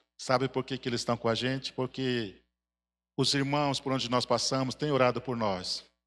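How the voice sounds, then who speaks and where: In a very clean recording with a silent background, a man with a non-native accent speaks at a moderate pace and medium pitch, his intonation monotone and flat. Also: long, frequent pauses. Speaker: itinerant missionary. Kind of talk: sermon.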